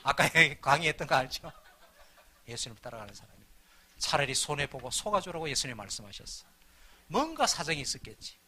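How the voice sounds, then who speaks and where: A middle-aged man giving a humorous church talk, acting out his own quarrels with his wife in animated storytelling. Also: on the high side, a little fast, a crowd in the background. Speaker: church lay minister. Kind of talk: humorous revival-meeting talk.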